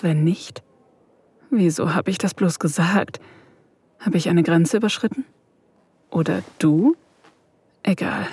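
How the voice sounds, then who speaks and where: A woman's voice: on the low side, a little mellow, slightly rough, no echo, heavily acted. A woman voicing a shy, flustered young woman researcher, narrating her thoughts hesitantly and in half-whispers in an intimate audio drama.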